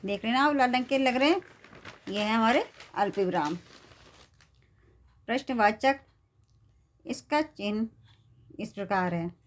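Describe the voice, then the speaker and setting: A woman's voice: a little high, measured pace, long pauses. A woman teacher patiently explaining a lesson to young students, often checking in with them. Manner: patient, repeats "theek hai" to check understanding.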